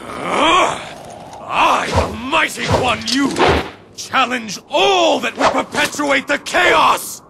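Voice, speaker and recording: A man's voice: extremely high pitch, lively intonation, drawn-out words, gravelly, noisy background, heavily acted. A man voicing a proud, noble warrior who speaks in a grand, declamatory way in a video game cutscene. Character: proud, noble male warrior sworn to a cause.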